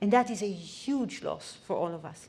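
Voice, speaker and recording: A woman with an Israeli accent, medium in pitch, with lively intonation. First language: Hebrew. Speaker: biotech research executive and scientist. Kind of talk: interview.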